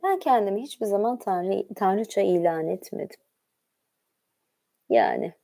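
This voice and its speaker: A woman's voice: medium pitch, sing-song, vocal fry, mellow. A woman hosting a livestream, reading aloud and adding informal, conversational asides as she goes. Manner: informal, conversational, often pausing to comment. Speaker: livestream host reading about mythology.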